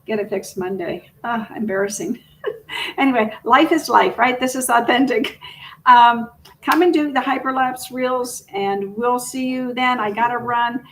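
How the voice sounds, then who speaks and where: A woman's voice: a little high, fairly even intonation, normal speed, fairly bright tone, slight background noise, rough recording. A woman presenting a casual unscripted video as a real estate agent, chatty, rambling and self-deprecating.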